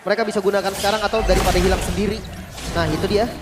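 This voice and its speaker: A man's voice: high-pitched, steady tone, very fast, background noise. A man with an Indonesian accent giving analytical live commentary as co-caster of an esports match. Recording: loud music under the commentary.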